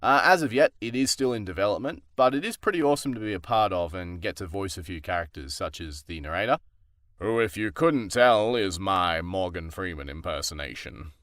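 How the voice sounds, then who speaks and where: Very low-voiced man, casual vlogger. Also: lively intonation, brisk, a bit bright, no echo, clean studio sound. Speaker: voice actor presenting his work. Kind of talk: casual vlog talk.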